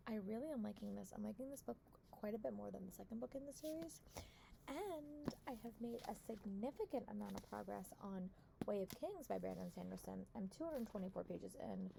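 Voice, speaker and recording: A young woman with a hoarse voice, chatting casually in a reading vlog and talking softly, half in a whisper, to spare her throat. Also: mid-range voice, noisy background. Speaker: book vlogger.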